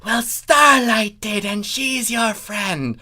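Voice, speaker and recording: A woman's voice: fairly high pitch, slow pace, sharp tone, soft background music, voice pushed up, full character voice. A woman playing a snide female cartoon pony, scolding and sardonic, in a comic story reading. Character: snide female pony, blunt, muttering critic.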